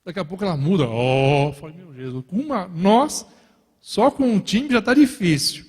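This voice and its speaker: A Brazilian man with a Brazilian Portuguese accent preaches from the pulpit, his voice set somewhat high for a man. He tells stories with good humor and keeps turning to the congregation with quick asides. The sound carries the long, lingering reverb of a big church hall. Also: slightly rough. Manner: lively, joking storytelling with repeated "irmãos" asides. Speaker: pastor. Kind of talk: sermon.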